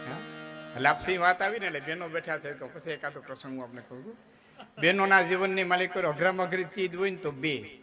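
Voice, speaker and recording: High-voiced Kathiawadi Gujarati storyteller on stage. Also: male voice, fast talker, music in the background. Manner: jokey, chatty, often checks in with the audience. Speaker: folk storyteller. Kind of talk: live humorous folk storytelling. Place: stage before a live audience. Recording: live audience noise. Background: crowd.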